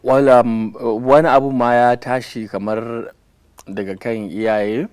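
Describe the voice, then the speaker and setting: A man discussing health on a talk show, explaining his points in a lively way. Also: mid-range voice, measured pace, clean tone. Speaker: studio guest.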